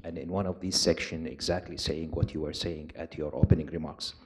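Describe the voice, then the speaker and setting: A man from Iraq stands in a large lecture hall and speaks from the floor in a very low voice. He is hesitant and restarts his sentences often as he builds up to his remark. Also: fairly even intonation, a little fast, a little mellow, a little hiss or hum. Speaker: audience member asking a question. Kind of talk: public question from the floor.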